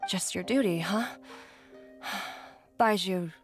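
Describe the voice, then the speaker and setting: A woman voicing a gentle, earnest, grateful female character in an anime video game. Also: on the low side, slow pace. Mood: gently serious. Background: game music.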